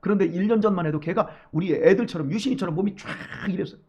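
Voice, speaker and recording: A middle-aged man delivers a morning sermon in a high, quick voice that races through his points. He asks his listeners question after question and swings from hushed asides to forceful calls. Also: breathy edge. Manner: emphatic, swings from hushed asides to loud exhortation; addresses the congregation directly, rhetorical questions. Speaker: pastor.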